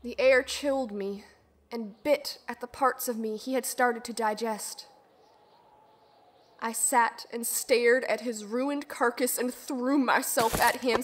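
Woman acting Little Red Riding Hood, high-voiced, intense. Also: slight background noise. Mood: shaken, grim. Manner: intense, deliberate, emotional storytelling. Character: young Little Red Riding Hood, bitter, traumatised survivor recounting her ordeal. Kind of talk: dramatic first-person audio drama monologue.

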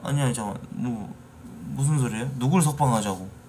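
A man ranting at his chat during a live stream, swearing and building into angry shouts. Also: mid-range voice, a little fast, a little hiss or hum. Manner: angry, profane, rising to shouting. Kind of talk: casual live-stream rant.

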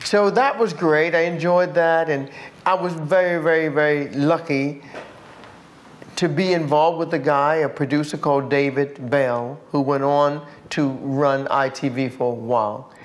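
A woman's voice: low-pitched, measured pace. An older woman with an American accent, a singer chatting as an interview guest, telling stories with lots of restarts and repeated words. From USA. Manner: animated storyteller, frequent restarts and repeated words. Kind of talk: casual interview chat.

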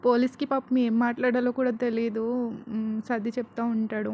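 A woman's voice: a little high, level tone, moderate pace, a little mellow, a little hiss or hum. A woman narrating a serial story in a chatty, casual way, mixing in English phrases.

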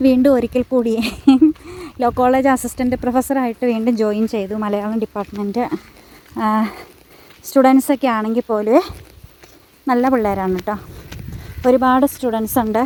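A woman's voice: on the high side, warm tone. A woman in her thirties from Kerala, a college lecturer, narrating her family vlog in a homely, chatty way. She teases and coos at her family, and she records outdoors on a handheld phone while walking home.

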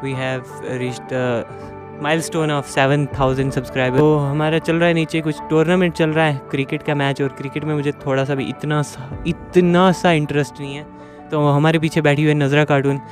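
A man's voice: fairly high pitch, fairly even intonation, normal speed, faint music behind. A man in his early twenties hosting a vlog, chatting casually and asking questions. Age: early 20s. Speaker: vlogger and interviewer.

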